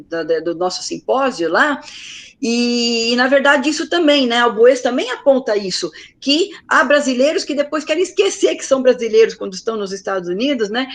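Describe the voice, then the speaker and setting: A woman chairing an academic session, talking in a rambling way with many fillers. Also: a little high. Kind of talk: academic discussion.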